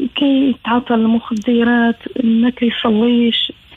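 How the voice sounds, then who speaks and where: A woman speaks in a high voice with monotone, flat intonation. Noticeable background noise can be heard. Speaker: caller. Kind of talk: phone-in plea for advice. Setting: phone call.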